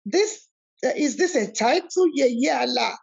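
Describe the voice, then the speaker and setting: A woman's voice: high voice, lively intonation, unhurried, vocal fry, darkish tone, breathy edge, dull audio. A woman hosting an online spiritual talk, emphatic and preacherly, repeating key words over a video call. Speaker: host of an online spiritual discussion. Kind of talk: animated talk, switching between English and Yoruba.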